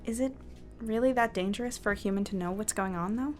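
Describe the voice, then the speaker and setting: A woman's voice: mid-range voice, fast talker, soft background music, close to an everyday voice. A woman playing an earnest, slightly awkward young newspaper reporter in a conversational audio drama. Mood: questioning. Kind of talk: naturalistic audio drama dialogue and narration.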